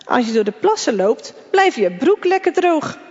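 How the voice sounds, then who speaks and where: A woman's voice: sits high, big pitch swings, moderate pace, a little mellow, long reverb tail, dull audio. A woman voicing a mean schoolboy bully in a read-aloud story, taunting and mocking.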